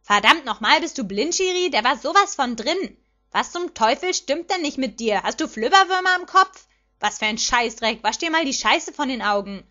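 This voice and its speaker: A woman voicing rowdy male fans loudly cursing a referee. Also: high voice, lively intonation, normal speed, dull audio. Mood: angry. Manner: loud ranting.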